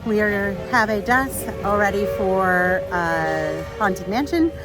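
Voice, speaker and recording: A woman's voice: medium pitch, lively intonation, slow pace, over music, rough recording. A woman chatting casually in a vlog, rambling with fillers, sometimes stuffy from allergies. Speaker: vlogger. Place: theme park, outdoors and at home.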